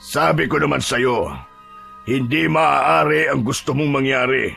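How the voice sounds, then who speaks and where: A man voicing a calmly menacing aswang monster in a horror audio drama, with a deep, husky, gravelly voice and slow, controlling delivery. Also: faint music behind, full character voice. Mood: firm, sinister. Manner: slow, measured, coaxing yet firm. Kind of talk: Filipino radio-style horror drama acting.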